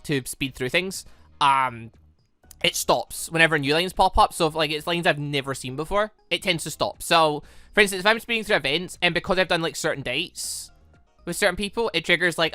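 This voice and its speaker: A man's voice: high-pitched, pushed and bright, dry recording. A man giving casual, rambling let's-play commentary as a gaming video host, often correcting himself mid-thought. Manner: rambling, self-correcting, informal.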